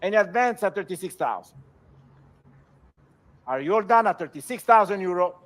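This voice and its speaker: Male auctioneer, notably high voice. Formal lot presentations, steady repeated bid calls to a live sale. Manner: auctioneer delivery, repetitive, measured bid calls.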